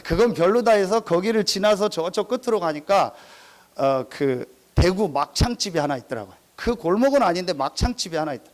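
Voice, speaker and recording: A male pastor preaching a sermon filled with humorous anecdotes. He talks straight to the congregation with rhetorical questions, mimics regional dialects and laughs at his own jokes. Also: high voice.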